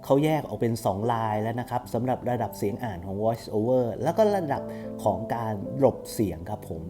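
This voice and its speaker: A man's voice: medium pitch, fairly quick, music in the background. A man hosting a casual step-by-step tutorial, instructing politely and repeating steps as he goes. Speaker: tutorial host for screen reader users.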